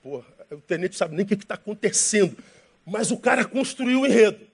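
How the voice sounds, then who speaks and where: A man's voice: sits high, animated, a little fast, gravelly, slightly rough. A man preaching a sermon, telling an anecdote and acting out both sides of the dialogue in his own voice. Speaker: pastor.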